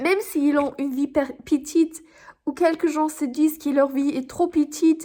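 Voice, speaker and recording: A woman with a non-native accent speaks at a fairly slow pace and high pitch, her tone dark and mellow and her intonation fairly even. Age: young. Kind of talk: personal video diary talk to camera. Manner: hesitant, emotional.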